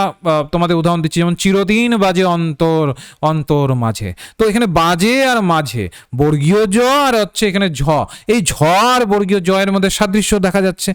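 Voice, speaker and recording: A man teaches a live online class, his voice smooth, resonant and a little high. He explains patiently, repeats key points and checks in with the students. The sound is close and dry. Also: dry recording.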